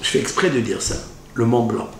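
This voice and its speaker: Animated rabbi in an echoey room. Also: male voice, mid-range voice, brisk, slight background noise. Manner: dramatic, rhetorical, peppered with Hebrew terms. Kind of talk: Torah lesson. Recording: echoey room with faint ambience.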